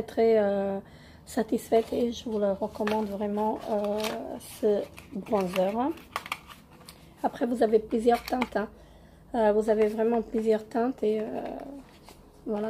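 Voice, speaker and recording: A young woman with a cold-roughened voice, hesitantly reviewing beauty products in a casual home vlog with many fillers. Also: a little high, warm tone, a little hiss or hum. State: hoarse from a cold. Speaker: beauty vlogger.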